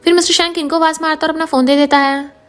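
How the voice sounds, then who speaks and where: A woman narrating a scripted drama recap briskly. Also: sits high, steady tone, faint music behind. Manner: brisk storytelling.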